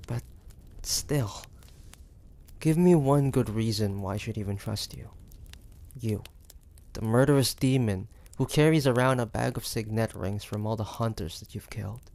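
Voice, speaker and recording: A man voicing a wary, stubborn demon hunter from the 1850s in a dramatic audio roleplay, with halting, pointed delivery. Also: on the low side, a little mellow, natural voice. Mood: accusing, suspicious. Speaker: voice actor.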